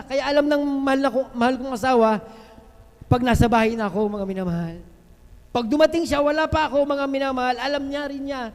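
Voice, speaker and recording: A man giving a fervent testimony at a worship service, repeatedly addressing the congregation and breaking into loud hallelujahs. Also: very high-pitched. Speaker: church member giving testimony. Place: church worship hall. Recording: long hall reverb on a live stream.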